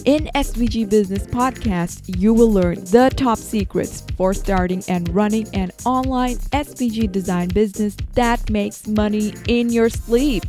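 A woman's voice: medium pitch, a little slow, hardly any pauses, warm tone, soft background music. A woman hosting a podcast who reads an upbeat intro and asks interview questions. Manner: upbeat, enthusiastic. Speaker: podcast host.

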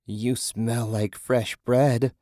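A man's voice: mid-range voice, flat delivery, drawn-out words, darkish tone, no room sound, clean studio sound, pitched above the performer's own voice. A man doing a hungry, leering feral woman.

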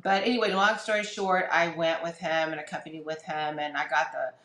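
Middle-aged woman, podcast guest, chatty and rambling, low voice, echoey room. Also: fairly even intonation, a little fast, fairly bright tone. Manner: chatty, many fillers and restarts. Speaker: podcast guest, fitness competitor. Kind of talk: casual storytelling interview.

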